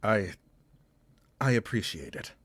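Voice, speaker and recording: Earnest shaken traveler, husky voice, widely swinging pitch, game dialogue. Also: male voice, expressive, slow, a bit bright, full character voice. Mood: earnest, grateful. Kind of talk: visual novel voice acting.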